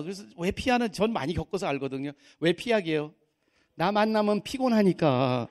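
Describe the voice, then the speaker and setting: A man's voice: on the high side, darkish tone. A man in his fifties from Korea, preaching a sermon in a humorous, conversational way and acting out other people's voices. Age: 50s. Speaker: pastor. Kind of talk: sermon storytelling. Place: church.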